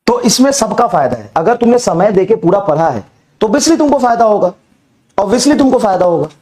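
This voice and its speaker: A male teacher talks a recorded class through a fever. His somewhat high voice is soft and mellow, and it keeps cracking. He speaks with low energy, repeats points, and coaxes students with rhetorical questions. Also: sing-song, normal speed. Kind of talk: recorded online class lecture.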